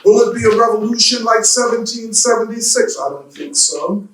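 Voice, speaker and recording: A man with an African American English accent speaks slowly and deliberately to a church gathering, leaning on rhetorical questions. His fairly high voice sits far from the mic. It rings through a very echoey hall with faint noise behind. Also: a bit bright. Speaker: guest speaker. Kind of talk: church lecture speech.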